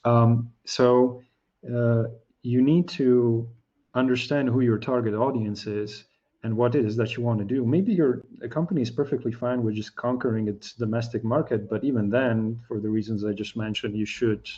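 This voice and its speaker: A man's voice: medium pitch, steady tone, moderate pace, dark tone, lo-fi sound. A man whose first language is Slovak, speaking as a guest in a casual expert discussion and thinking aloud with many restarts. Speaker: guest analyst.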